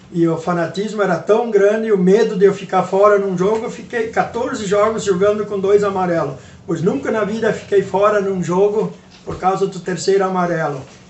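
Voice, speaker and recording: Audible room echo surrounds a man with a high pitch. He talks at a moderate pace with fairly even intonation. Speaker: former amateur footballer. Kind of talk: interview testimony. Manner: halting, repeats words.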